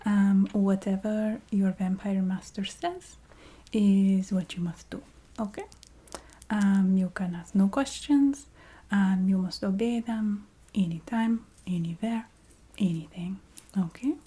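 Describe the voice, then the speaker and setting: A woman playing a courteous, matter-of-fact vampire receptionist in a soft-spoken ASMR roleplay, half-whispering in a put-on Eastern European accent with halting, formal phrasing. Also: mid-range voice, slightly rough. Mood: matter-of-fact, approving. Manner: halting, formal phrasing with small hesitant hums.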